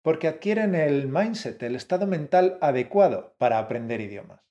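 A man's voice: fairly high pitch, animated, normal speed, dark tone, highs cut off. A man co-hosting a language-learning podcast, explaining in a friendly, encouraging way. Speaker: co-host of a Spanish-learning podcast. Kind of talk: scripted podcast teaching.

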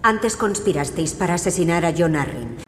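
A woman's voice: lowish voice, lively intonation, moderate pace, natural voice. An actress dubbing a stern noblewoman who makes a cold, formal accusation in a medieval drama. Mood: accusing. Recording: film clip with long reverb and faint ambience.

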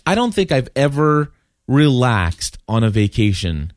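A man's voice: mid-range voice, big pitch swings, a little slow, no echo. A man in his thirties co-hosting a casual family podcast from a studio, who laughs often and restarts his sentences. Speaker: podcast co-host. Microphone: studio microphone.

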